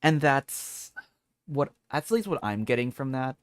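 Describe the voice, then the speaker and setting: A man giving casual commentary on a game, thinking aloud in a halting, repetitive way. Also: medium pitch, big pitch swings, clean tone, no room sound. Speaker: streamer. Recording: game music behind the voice.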